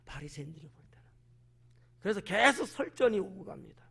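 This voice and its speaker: A male pastor preaching an evening sermon, explaining a Bible passage verse by verse and acting out the people in it in lively quoted voices. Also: high-pitched, gravelly. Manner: animated, acts out quoted voices, talks directly to the congregation. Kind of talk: evening service sermon, expository Bible teaching.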